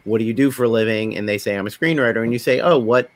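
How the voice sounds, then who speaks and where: A man's voice: medium pitch, fast talker, no room sound. A middle-aged man telling anecdotes conversationally in a panel discussion, slipping into quoted dialogue as he goes. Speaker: podcast panelist, independent filmmaker.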